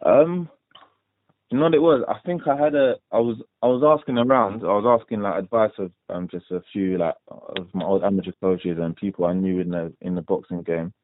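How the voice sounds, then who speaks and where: A man's voice: fairly low pitch, steady tone, a little fast. A young man from London with a London accent, a professional boxer answering interview questions in a laid-back, rambling way full of fillers. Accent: London English. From London, England. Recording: tinny dry phone line.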